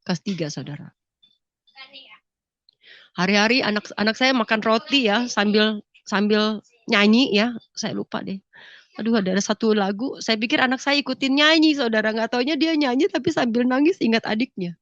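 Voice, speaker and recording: Grief-stricken and tearful, a middle-aged woman gives her testimony at church, sniffling and frequently addressing the audience as "saudara," brothers and sisters, her voice breaking. She speaks at a normal speed in a slightly bright, somewhat high voice, captured in a dull, dry lo-fi recording without room sound.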